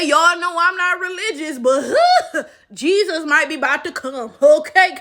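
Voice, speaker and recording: Bright, high-voiced woman giving emphatic commentary. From United States. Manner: emphatic, rhetorical, punctuated with check-in questions; colloquial, slangy, sardonic. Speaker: social commentary video host. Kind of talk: opinionated casual commentary to camera.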